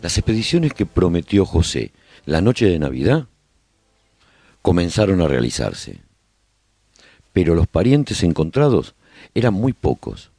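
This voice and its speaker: A man playing a nostalgic survivor who chronicles colony life in a radio serial, with measured, expressive storytelling. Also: deep voice, no room sound, exaggerated voice. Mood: earnest, chronicling. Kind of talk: scripted first-person radio drama narration.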